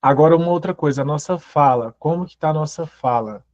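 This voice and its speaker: A man gives a motivational talk on personal growth in a fairly high voice. He keeps firing rhetorical questions at his listeners. The recording sounds muffled and dull. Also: brisk, darkish tone, no room sound.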